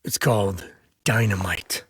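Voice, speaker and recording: Menacing, taunting convict gang boss. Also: male voice, fairly low pitch, breathy edge, no room sound, studio quality. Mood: sneering menace. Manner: taunting, deliberate, threatening. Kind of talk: video game cutscene acting.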